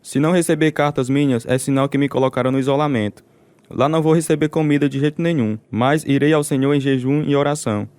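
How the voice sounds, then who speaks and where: A man's voice: mid-range voice, quick pace, a little mellow, clean tone, no room sound, lightly acted. A Brazilian man playing a devout, steadfast Christian prisoner telling his story in a radio drama. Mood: weary, resolute. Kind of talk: dramatized radio testimony narration.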